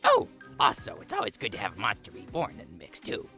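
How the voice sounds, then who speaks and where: A woman voicing a gleeful, scheming card scavenger in an audio drama, raspy, gossipy and melodramatic. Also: very deep voice, huge pitch swings, brisk, music in the background, exaggerated voice. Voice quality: raspy, gravelly. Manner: melodramatic, gossipy, wildly swooping. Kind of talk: fan audio drama acting.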